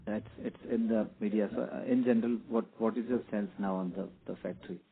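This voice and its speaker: A man with a fairly low voice puts questions as a financial analyst. He is polite and halting, heard over a thin phone line with slight background noise. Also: fairly even intonation, creaky. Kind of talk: earnings call questioning.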